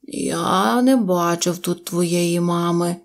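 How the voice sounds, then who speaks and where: A woman's voice: fairly low pitch, slow pace. A woman voicing a friendly, helpful African deer in a storybook tale, speaking plainly and matter-of-factly. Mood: calm.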